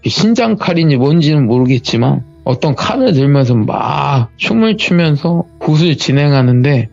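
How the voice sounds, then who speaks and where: Man, upper-pitched and gravelly, casual first-person storyteller; dry, dull recording, soft music under. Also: no echo. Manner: plain conversational retelling. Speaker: guest telling a true ghost story.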